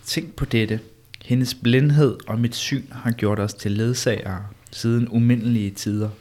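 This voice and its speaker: A man reading the part of the old prophet Elijah in a measured, insistent way, during an amateur read-through. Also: mid-range voice, steady tone, darkish tone, lightly acted. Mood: solemn. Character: old male prophet Elijah, calm and solemn.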